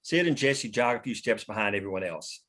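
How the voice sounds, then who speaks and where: A man's voice: fairly low pitch, expressive, brisk, fairly bright tone. A man narrating stage directions from a screenplay at a table read.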